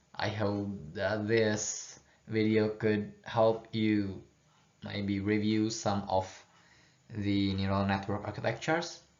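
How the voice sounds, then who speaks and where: Through audible room echo, a man with an Indonesian accent speaks very slowly at a fairly low pitch, with fairly even intonation and long, frequent pauses. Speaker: university student. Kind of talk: presentation. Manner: halting.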